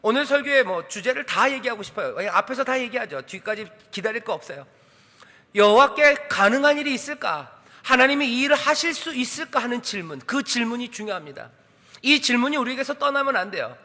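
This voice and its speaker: Male pastor, sermon; high bright voice, reverberant church hall, asks questions and acts out dialogue. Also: sing-song, fast talker. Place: church sanctuary.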